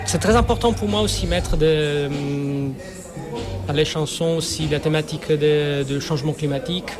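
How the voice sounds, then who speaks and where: A man's voice: fairly high pitch, normal speed, music in the background. Man searching for French words. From Sicily. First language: Sicilian. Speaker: musician guest. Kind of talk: radio interview.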